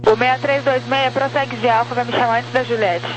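A woman air traffic controller giving crisp, clipped instructions over a two-way radio transmission. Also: fairly high pitch, fairly even intonation, brisk. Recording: noisy radio transmission with hum.

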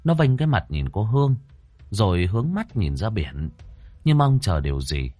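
A man reading a ghost story aloud as a storyteller, in a dramatic, expressive style. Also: fairly low pitch, normal speed, dry recording. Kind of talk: scripted ghost-story narration.

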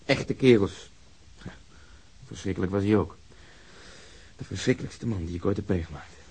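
Blunt, cynical cop in radio drama; low-pitched, husky, emphatic. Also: male voice, moderate pace, darkish tone. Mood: blunt, thoughtful. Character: blunt, bitter male police officer, ex-serviceman. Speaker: actor.

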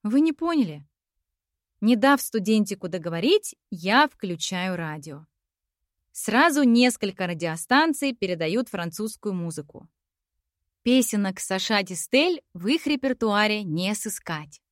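A woman's voice: medium pitch, big pitch swings, unhurried, dry recording. Woman narrating a novel, dry close sound. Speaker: audiobook narrator. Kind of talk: first-person literary narration.

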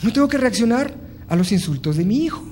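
A man's voice: very high-pitched, fast talker. A man giving a motivational talk on leadership, telling stories with lots of fillers and restarts. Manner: animated storytelling, acting out dialogue, frequent fillers. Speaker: motivational speaker.

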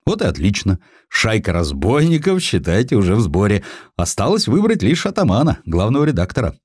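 A male narrator plays a jovial merchant backer in a historical audiobook. He is hearty and wry, speaking in old-fashioned phrases with a swinging, animated pitch in a dry recording. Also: a little fast, slightly rough, no echo, exaggerated voice. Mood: cheerful. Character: jovial, wryly sighing male businessman backing a publishing venture.

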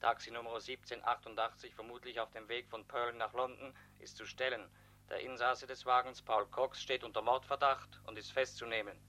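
A man's voice: mid-range voice, little pitch movement, moderate pace, pushed and bright. An actor playing a male police dispatcher making a clipped, formal announcement over the police radio in a 1960s radio play. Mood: official. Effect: police radio broadcast.

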